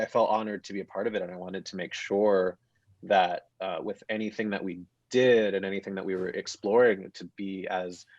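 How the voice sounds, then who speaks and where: A man around thirty, an actor speaking reflectively as a panel guest, in a halting, thoughtful way that often restarts. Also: lowish voice, no room sound. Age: 30s. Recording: muffled, dull online-call audio.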